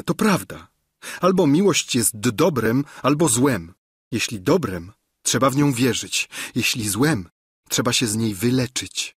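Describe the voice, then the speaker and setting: A heartbroken young woman pours out her love and despair in an impassioned, declamatory plea, as a man reads her part in an audiobook. The husky voice sits at a middling pitch. It sounds close and dry, with no room around it. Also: dry recording. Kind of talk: audiobook reading of a classic novel.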